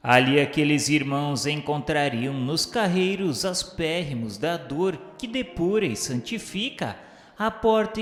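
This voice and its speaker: A Brazilian man narrating a scripted religious radio drama in a solemn, measured, literary way. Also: a little high. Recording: echoing hall-like reverb, music behind. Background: music.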